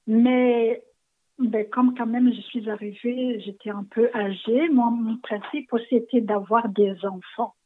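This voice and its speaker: A hesitant, soft-spoken woman in her fifties, originally from Rwanda, tells her story at an unhurried pace with many pauses. Her voice sits slightly high. The sound is narrow and thin, like a phone line. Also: fairly even intonation, a little hiss or hum. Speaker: interviewee. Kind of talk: personal interview.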